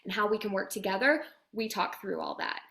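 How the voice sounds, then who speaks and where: A woman appears as an interview guest, explaining her work as a producer and director with enthusiastic, chatty, emphatic energy. She speaks fairly quickly in a medium-pitched, fairly bright voice.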